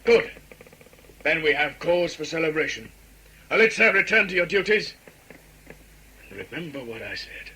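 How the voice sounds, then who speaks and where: A man's voice: on the high side, very animated, moderate pace, long pauses, sharp tone, slightly rough, heavily acted, rough recording. A man acting a proud, commanding tribal lord and stern adoptive father in a sci-fi audio drama, speaking formally. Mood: forceful. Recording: amateur audio play with background noise.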